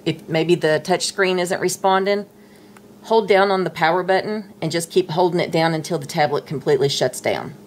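A woman's voice: lowish voice, normal speed, a little hiss or hum. A middle-aged woman walking through tablet setup steps in a patient, chatty tutorial, talking while she handles the device. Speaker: tech tutorial presenter. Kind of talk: casual step-by-step tutorial. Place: indoors at a table, dim room.

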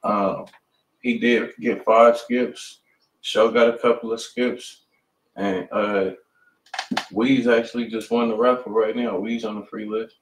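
An American man with a low voice hosts a music livestream in casual slang. He sounds a little distant from the mic, in an echoey room with faint noise. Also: little pitch movement, unhurried. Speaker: music review show host.

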